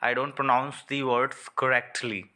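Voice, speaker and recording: A man's voice: mid-range voice, level tone, unhurried, bright, forceful tone. Hesitant young Indian man. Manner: hesitant, many fillers. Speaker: learner and channel host. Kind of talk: casual online conversation. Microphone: video call.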